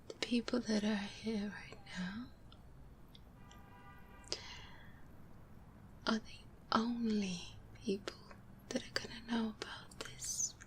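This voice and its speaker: A woman playing a protective, businesslike female vampire hunter in a hushed, soft-spoken ASMR roleplay, close to the microphone. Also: on the high side. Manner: hushed, reassuring, measured whisper. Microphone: close binaural microphone.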